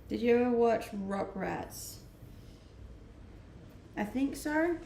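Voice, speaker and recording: A woman with a Danish accent, originally from Denmark, chats easily on a livestream from a rented home, answering viewer comments she reads aloud and laughing often. Her voice is a little high, animated, and slow, gravelly with a dark tone. Roomy echo and slight background noise are present.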